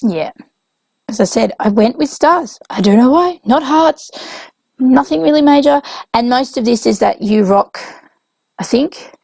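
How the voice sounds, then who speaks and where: A woman with a young child, hoarse from illness, casually narrating her scrapbook process with lots of ums and self-corrections. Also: fairly high pitch, expressive, unhurried, a little mellow, dry recording. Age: adult with a young child. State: hoarse, voice coming and going from illness. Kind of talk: casual voice-over narration of a craft video.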